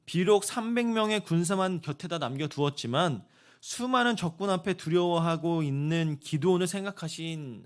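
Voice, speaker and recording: A young adult man giving a sermon to high school students, telling the story lively and acting out the soldiers' talk. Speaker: youth pastor.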